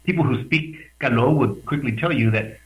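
Man, radio guest, from West Texas border, video call audio, mid pitch, animated, thoughtful restarts. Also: normal speed, low-quality recording. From West Texas border region. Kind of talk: conversational explanation.

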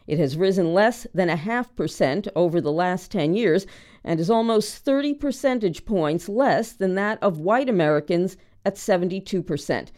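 A woman reporter reading a scripted news report in a steady, clipped way. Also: fairly low pitch, normal speed. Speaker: radio reporter.

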